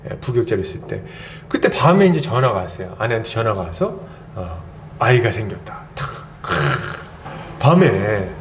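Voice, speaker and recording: A man's voice: medium pitch, a little hiss or hum. A man preaching an expository sermon as pastor, asking the congregation questions and telling personal stories with laughter. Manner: lively, asks the congregation questions and prods with "eh?".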